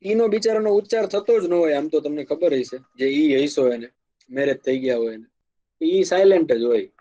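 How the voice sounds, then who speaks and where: A man with a Kathiawadi Gujarati accent teaching an English grammar lecture, explaining slowly with spoken examples and asides. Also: a little high, animated, dark tone, lo-fi sound. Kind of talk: classroom lecture.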